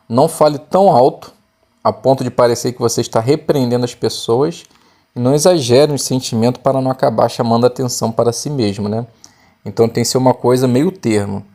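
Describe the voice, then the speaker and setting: Mellow-voiced Brazilian man teaching Bible reading. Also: mid-range voice. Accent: Brazilian Portuguese. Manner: plain explaining tone with frequent "né" tags, raising voice for quoted speech. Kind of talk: Bible reading and speaking-skills lesson.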